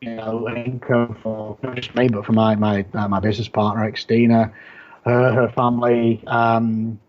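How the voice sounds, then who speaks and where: A man's voice: medium pitch, level tone, moderate pace, slight background noise. Yorkshireman chatting over dull lo-fi audio. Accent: Yorkshire English. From Yorkshire, England. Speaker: guest, horror author and publisher. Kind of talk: casual interview chat.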